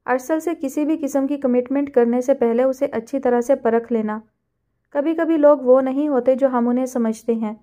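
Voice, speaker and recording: A woman voicing a calm, gentle man who is a doctor, giving advice in a storybook reading. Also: high-pitched, natural voice. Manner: gentle, advising.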